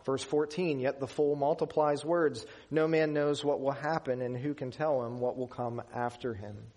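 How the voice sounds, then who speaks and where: A man's voice: mid-range voice, steady tone, a little mellow. A man from Western Pennsylvania preaching a sermon in an earnest, emphatic way. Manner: earnest, emphatic preaching with slow deliberate pauses. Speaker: pastor.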